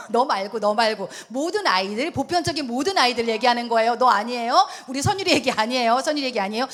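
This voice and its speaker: A middle-aged woman pastor preaching a sermon in an animated way, acting out quoted voices and laughing often. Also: a little high.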